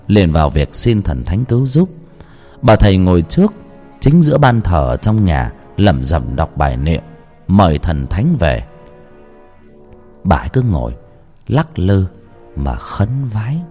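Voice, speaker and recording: A man with a fairly low voice tells a ghost story, and his delivery swings widely, sinking into hushed murmurs and then leaping up. Soft music plays faintly behind him. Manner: expressive, swings from low hushed tones to sudden loud cries. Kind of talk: dramatic horror storytelling.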